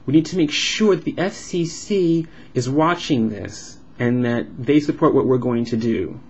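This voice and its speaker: A man voicing a signed vlog as an interpreter, explaining in halting phrases with uneven pauses. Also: medium pitch. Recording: dull lo-fi sound with clear background noise.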